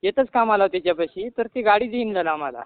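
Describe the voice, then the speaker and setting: Brief: distressed male caller over a phone line, high and fast, pleading and rambling. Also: expressive, clean tone, dry recording. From Maharashtra. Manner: pleading, repeats "bhau" often, rambling. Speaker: caller asking for help. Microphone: phone call.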